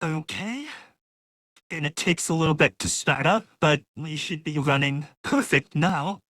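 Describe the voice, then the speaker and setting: A woman talking casually through a software demo, her voice converted by a real-time voice changer into a masculine one. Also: deep voice, unhurried, dry recording, clean studio sound. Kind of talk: casual live software walkthrough.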